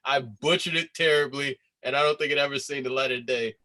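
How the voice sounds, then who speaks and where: A man's voice: mid-range voice, steady tone, a little fast, bright, forceful tone. A man in his forties, a guest designer, telling a funny story and laughing along over a video call from home. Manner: amused, laughs while telling stories. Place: home room. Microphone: laptop mic on video call.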